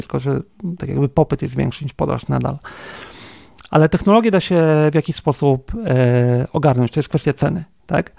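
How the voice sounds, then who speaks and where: Mężczyzna, dyrektor techniczny firmy, jako gość rozmowy mówi swobodnie, z wieloma wtrąceniami i pytaniami „tak?”, szczerze i z przekąsem. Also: male voice, medium pitch, vocal fry, a little mellow, no echo, studio quality. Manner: thinks aloud with many fillers and tag questions. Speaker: guest, company CTO. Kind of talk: casual interview conversation.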